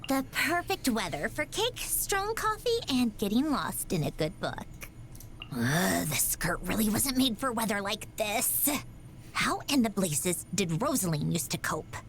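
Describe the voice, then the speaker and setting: An actress playing a prim, haughty, easily exasperated young woman in a video game, speaking deliberately and disdainfully. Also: mid-range voice, very animated, fairly bright tone, slight background noise. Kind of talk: video game character voice lines.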